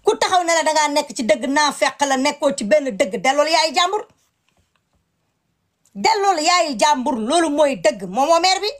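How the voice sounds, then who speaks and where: A woman's voice: high voice, expressive, normal speed. A woman giving impassioned commentary, indignant and emphatic, repeating her words.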